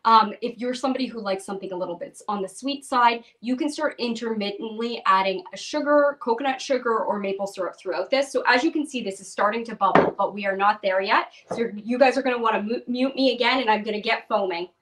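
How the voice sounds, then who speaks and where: A woman's voice: fairly high pitch, fast, few pauses, a bit bright. Bubbly young woman, distant kitchen mic. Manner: bubbly, chatty, many "like" fillers. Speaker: cookbook author demonstrating a recipe. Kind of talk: live cooking demo. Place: home kitchen, indoors. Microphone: video call webcam at a distance.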